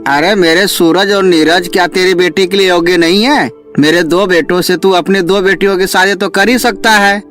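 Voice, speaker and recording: A man acts out a resentful village father from a cartoon moral tale. His voice is high-pitched, pushy and indignant, over faint music. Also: fairly even intonation, moderate pace, a bit bright. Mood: pushy, goading. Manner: goading, indignant. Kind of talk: Hindi cartoon moral story acting.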